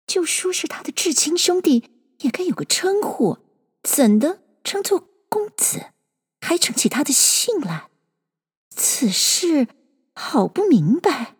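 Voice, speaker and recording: A woman's voice: sits high, sing-song, takes it slowly, dry recording, studio quality, in a large hall, pitched above the performer's own voice, full character voice. A woman voicing a puzzled young maiden musing and questioning to herself.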